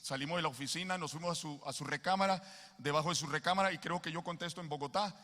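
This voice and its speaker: A man preaching a sermon at a youth gathering, impassioned and building to shouted peaks. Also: a little high, fast. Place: large hall at a youth gathering. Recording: long hall reverb.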